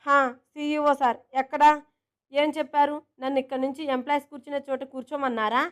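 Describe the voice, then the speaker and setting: A bold, pouting young office girl, played by a woman storyteller; high voice, quick and cheeky. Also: fairly even intonation, close to an everyday voice. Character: playful, headstrong young woman office worker.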